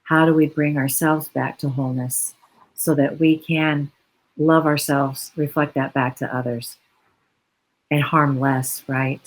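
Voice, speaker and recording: A woman's voice: sits low, steady tone, a little slow, rough recording. A woman from the United States speaking on a virtual panel over a video call, earnest and reflective, with long flowing explanations.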